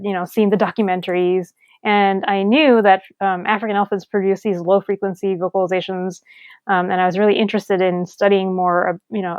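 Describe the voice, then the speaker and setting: A woman's voice: medium pitch, no room sound. A chatty woman in her forties from Sri Lanka, talking as a guest with lots of fillers and restarts. The sound is dry and a bit muffled, like a home recording. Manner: chatty, many fillers and restarts, laughs easily. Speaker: guest elephant researcher. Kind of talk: casual interview answers.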